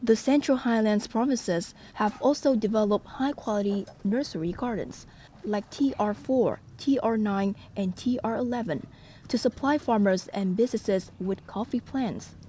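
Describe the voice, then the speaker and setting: Woman, news voice-over, mellow, steady informative delivery. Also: mid-range voice, slight background noise. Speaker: news reporter. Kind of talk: scripted voice-over narration.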